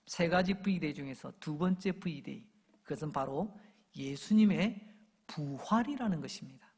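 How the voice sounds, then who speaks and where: Gravelly-voiced male pastor preaching in a reverberant hall. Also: fairly high pitch, moderate pace. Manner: animated preaching, acting out crowd shouts and taunts. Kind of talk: sermon. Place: church sanctuary. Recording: long church hall reverb.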